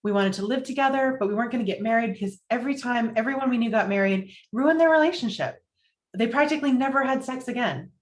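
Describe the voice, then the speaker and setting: A woman's voice: a little high, fast talker, lightly acted. Actress playing an earnest, newly single New York woman. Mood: earnest, confessional. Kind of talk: table read of romantic comedy film script. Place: indoors, virtual video-call table read.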